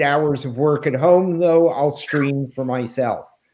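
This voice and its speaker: A man with an unremarkable speaking voice, ordinary pitch variation and a fairly slow pace. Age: 60s. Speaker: trainer at hi-fi store. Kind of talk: casual chat.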